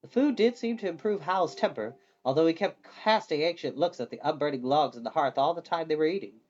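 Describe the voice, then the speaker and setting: A storyteller reading a children's book aloud in an expressive, animated way, acting out the dialogue. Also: mid-range voice, fairly quick, lo-fi sound.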